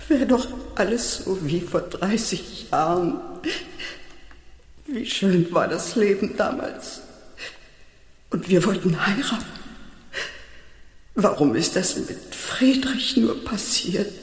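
A woman's voice: mid-range voice, expressive, slow, long pauses. An actress playing an embittered middle-aged aunt lamenting her lost love in wistful inner thoughts, in a children's audio drama. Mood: wistful longing. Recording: echoey reverb effect on thought monologue.

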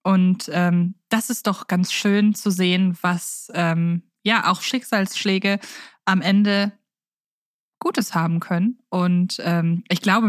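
Woman host, unscripted and thoughtful, slightly deep, no room sound. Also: no echo, studio quality. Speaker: podcast host. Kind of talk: unscripted podcast sign-off.

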